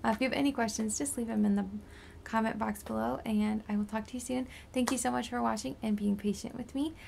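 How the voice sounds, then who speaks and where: A woman in her twenties, tired and sore after surgery, rambling casually in a raspy voice that sometimes drops to a whisper. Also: a little high, fairly even intonation, fast talker, slight background noise. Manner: rambling, drifting into soft whispers. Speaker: beauty vlogger. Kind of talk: casual post-surgery update vlog.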